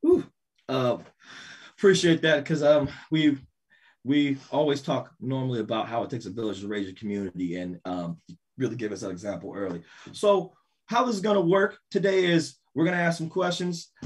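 A man with an American accent speaks fairly quickly, his somewhat breathy voice making very wide pitch swings. He leaves long, frequent pauses. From California. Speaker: music teacher and arts director moderating. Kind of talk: moderated panel discussion. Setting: video call. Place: home room.

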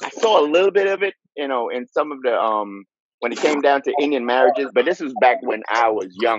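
This man talks at a very fast pace with very wide pitch swings and a fairly high pitch. Light background noise is present, and the sound is dry with no echo. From Caribbean (Trinidad and Tobago, Virgin Islands). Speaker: DJ and talk show co-host. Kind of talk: casual panel discussion. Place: studio. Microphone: video call.

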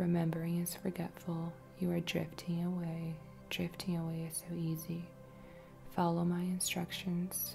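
Against music in the background, a woman with a fairly low pitch speaks in a soothing tone with monotone, flat intonation. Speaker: hypnotist. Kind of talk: hypnosis induction. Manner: slow, soothing.

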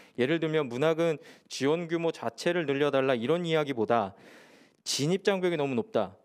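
A man talks at a moderate pace with an ordinary speaking voice, fairly high in pitch with ordinary pitch variation. His loudness stays very even against a quiet background. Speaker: arts policy researcher; panel discussant. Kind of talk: conference presentation. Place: hall.

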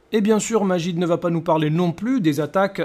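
The pitch of this man's voice sits high. It rises and falls in an ordinary way. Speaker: online news commentator. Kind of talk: commentary. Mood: critical, rebutting. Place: studio.

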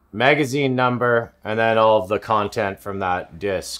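A man's speech moves at a fairly slow pace, its pitch varying in an ordinary way. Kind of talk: casual vlog chat. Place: studio.

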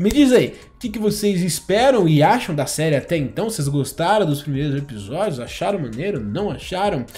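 At a moderate pace, a man talks in an animated tone with hardly any pauses. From Brazil. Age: 30s. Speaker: YouTuber, pop culture reviewer. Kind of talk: casual video review. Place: home room. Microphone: studio mic.

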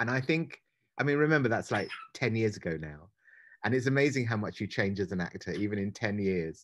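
This man talks fairly quickly with a British accent, his pitch fairly low. His intonation is lively, and the background is quiet. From England. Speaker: actor. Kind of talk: interview Q&A. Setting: video call. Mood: warm, amused. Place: home room. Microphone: video call.

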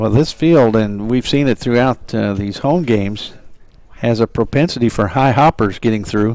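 Moderate pace, ordinary pitch variation, and a dry sound with no echo. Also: man. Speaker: color analyst. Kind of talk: live sports commentary. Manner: conversational, explanatory. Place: booth.

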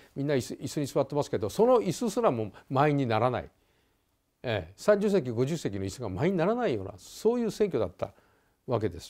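A man with a fairly high yet dark, mellow voice and some vocal fry talks fairly quickly with very wide pitch swings against a quiet background. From Japan. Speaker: political commentator. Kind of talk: lecture. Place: home room. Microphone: lapel.

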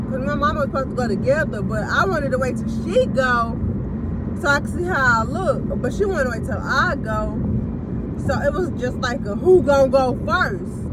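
Woman talking at a fairly quick pace over loud background noise. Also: dry sound with no echo. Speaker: vlogger. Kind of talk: casual vlog chat. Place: car. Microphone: phone near.

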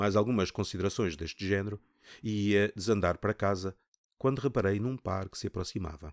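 A man's theatrical, dramatic tone, dry and close with no echo. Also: very clean recording, silent background. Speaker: audiobook narrator. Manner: measured, unhurried, expressive storyteller delivery with wry musing and dramatic pauses; formal, literary, slightly theatrical.

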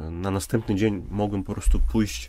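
In a dark, mellow tone, a man speaks fairly slowly. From Kazakhstan, Ukrainian family. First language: Ukrainian or Russian (speaking Polish). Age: 30s. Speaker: Jesuit priest, student. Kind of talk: interview. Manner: hesitant, many fillers.

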